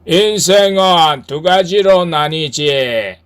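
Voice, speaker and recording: A man's voice: a little high, animated, slow, a bit bright, clean tone, voice pushed up. A man voicing a sly male devil who coaxes and needles, in a storybook-style reading. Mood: coaxing. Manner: coaxing, needling.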